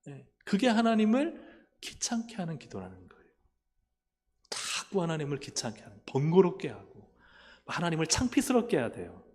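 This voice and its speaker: A man pastor preaching a lively sermon, calling for amens and asking the congregation questions. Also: on the high side, normal speed. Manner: acts out quoted voices and asks the listeners questions. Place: church sanctuary. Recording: long church hall reverb.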